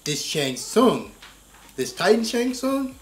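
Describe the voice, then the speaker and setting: A man giving casual commentary in a discussion, explaining his points and often checking in with a quick "right?". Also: sits high, big pitch swings, slight background noise. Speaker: reaction show commentator. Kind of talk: casual discussion of game story.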